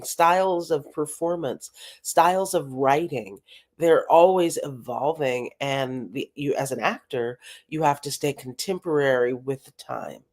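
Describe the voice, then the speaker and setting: A woman talent agent giving emphatic advice as an interview guest over a video call, with quick restarts as she explains. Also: deep voice.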